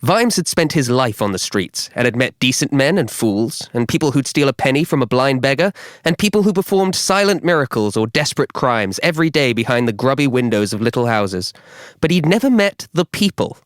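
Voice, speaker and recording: A man reading scripted narration as a professional voiceover artist, measured and clearly articulated. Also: mid-range voice, very animated, no room sound, clean studio sound. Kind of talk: scripted narration for audiobook, documentary and adverts.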